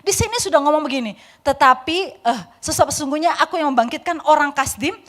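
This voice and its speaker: A woman in her forties preaching a sermon in church, swinging from loud pleading to soft, confiding talk. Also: high-pitched, brisk. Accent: Indonesian. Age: 40s. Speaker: pastor. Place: church sanctuary.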